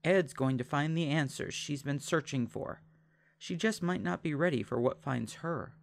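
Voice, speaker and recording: A man's voice: a little high, moderate pace, creaky. A man hosting a podcast, reading scripted promotional narration. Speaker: podcast host.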